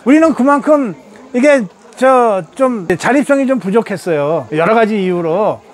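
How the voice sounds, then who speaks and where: A man in his sixties with a high voice for a man speaks as a political commentator. He lectures emphatically, poses rhetorical questions and drops into colloquial, everyday asides. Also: lively intonation, normal speed.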